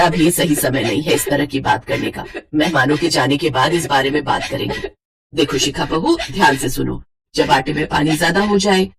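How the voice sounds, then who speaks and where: A woman doing a firm middle-aged mother-in-law. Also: slightly rough. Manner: lower, firm, instructive.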